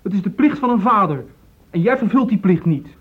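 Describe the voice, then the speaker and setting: A man's voice: high voice, lively intonation, brisk, breathy edge. A man acting a sullen, resentful sixteen-year-old son in a Dutch radio play, curt and defiant. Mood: sulky, defiant. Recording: dull, muffled old radio play recording.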